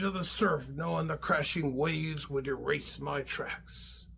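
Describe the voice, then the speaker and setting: A man performs a growling, put-on character voice. He keeps a moderate pace. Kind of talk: pirate tall-tale narration. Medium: read story. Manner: growling, boastful, punctuated with "arr".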